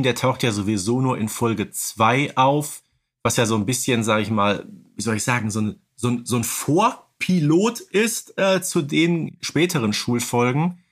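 Guy co-hosting a podcast, normal pitch, explaining stuff casually, keeps adding little right? tags. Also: a bit bright. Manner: explanatory, often seeks agreement with tag questions. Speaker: podcast co-host. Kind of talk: casual podcast discussion of an audio drama series.

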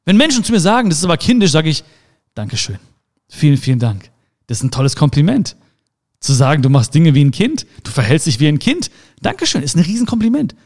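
A man's voice: a little high, big pitch swings, fast, a little mellow. A man giving a motivational talk in an emphatic way, repeating his key phrases. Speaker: motivational speaker.

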